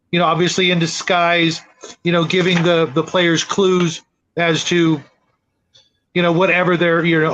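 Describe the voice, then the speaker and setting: A man hosting a casual panel discussion about tabletop gaming, talking in a halting, rambling way and repeating words as he goes. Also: sits high, a bit bright, poor audio.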